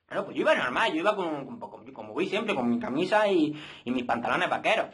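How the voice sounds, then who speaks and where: Fast-talking young man telling a comic story. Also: on the high side. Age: young adult. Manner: animated, acts out every voice in his story.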